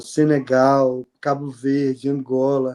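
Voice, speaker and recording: This is a man's voice with a fairly high pitch. Its tone is dark and mellow. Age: 60s. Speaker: engineer and businessman giving testimony. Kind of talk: testimony. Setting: online live stream. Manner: halting, many repetitions and fillers.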